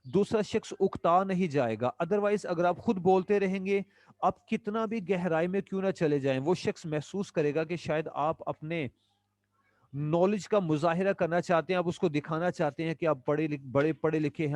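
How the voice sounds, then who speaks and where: A man gives a lecture in a fairly high voice. He reads each English line slowly and carefully, then explains it in Urdu. The recording is dry and close, with almost no room sound. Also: a little mellow, no room sound. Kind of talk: classroom lecture.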